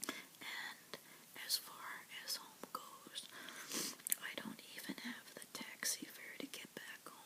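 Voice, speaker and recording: A woman voicing a hopeful young boy who wants to be king, in a soft whisper. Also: takes it slowly, lightly acted, poor audio.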